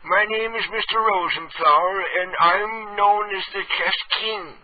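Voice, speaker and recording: A man's voice: high-pitched, unhurried. A man voicing a feisty, pushy old man who calls himself the Chess King and keeps challenging someone over the phone. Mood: pushy, teasing. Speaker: prank caller. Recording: tinny phone line from far off.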